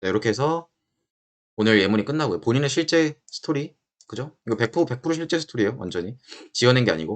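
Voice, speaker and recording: Talking at a very fast pace yet leaving long, frequent pauses, a man of medium pitch uses lively intonation. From South Korea. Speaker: English speaking test tutor. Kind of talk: tutorial. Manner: casual with many fillers.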